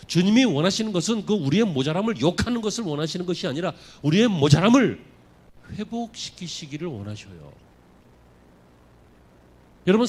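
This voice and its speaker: A male pastor giving a Sunday sermon to his congregation. He asks them questions and turns soft and tender when voicing Jesus. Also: on the high side, a little hiss or hum. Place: church sanctuary.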